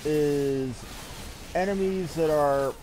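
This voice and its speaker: A man's voice: a little high, slow pace, darkish tone, rough recording. A man giving casual live commentary while streaming a game, with a wry, mildly profane way of talking.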